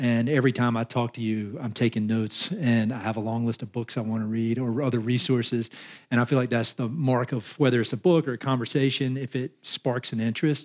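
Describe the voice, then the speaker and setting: With a Southern US accent, a man of medium pitch speaks at a fairly quick pace and with fairly even intonation against a quiet background. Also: hardly any pauses. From US South. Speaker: podcast host. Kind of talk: live interview. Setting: stage with audience.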